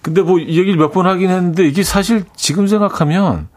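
A man's voice: high voice, fast talker, a little mellow. A man hosting a radio talk show, chatting casually with a co-host and laughing as he acts out voices. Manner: laughing, playful, acts out quoted callers.

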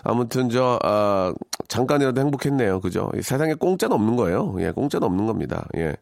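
A man in his forties hosting a radio show, reading listener messages and chatting in a joking, animated way. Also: medium pitch, fairly quick, vocal fry, dry recording, studio quality. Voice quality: animated, acts out voices in quotes. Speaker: radio host.

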